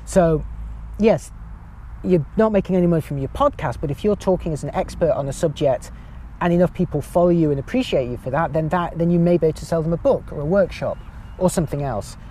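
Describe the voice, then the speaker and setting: A man with a high-pitched voice, chatting casually as a podcast guest with a self-mocking humor. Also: fast talker, warm tone, a little hiss or hum. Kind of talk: casual chat.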